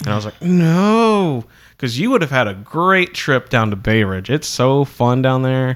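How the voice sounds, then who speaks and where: Here a man with an American accent speaks at a medium pitch and a fairly slow pace, with very wide pitch swings. The recording is very clean with a silent background. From Delaware, US. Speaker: podcast host. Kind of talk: casual chat. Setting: on location in Manhattan.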